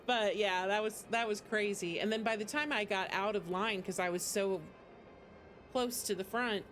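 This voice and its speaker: A woman's voice: medium pitch, normal speed, a bit bright, slight background noise. A woman game streamer with a rambling, giggly manner, chatting casually over gameplay.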